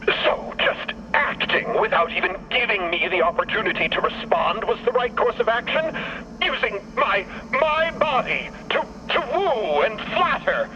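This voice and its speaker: Snooty offended robot, high swoopy voice, radio filter, audio drama, noisy bg. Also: male voice, sing-song, unhurried, sharp tone, dull audio, full character voice. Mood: furious, wounded. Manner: pompous, cutting, precisely worded. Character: haughty, indignant male robot, vengeful and wounded.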